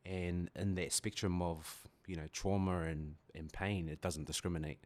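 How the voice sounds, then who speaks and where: This man in his forties, Samoan and from New Zealand, has a very deep, low voice and fairly even intonation. His speech is reflective, much like a podcast guest opening up, and he stops now and then to find the right words.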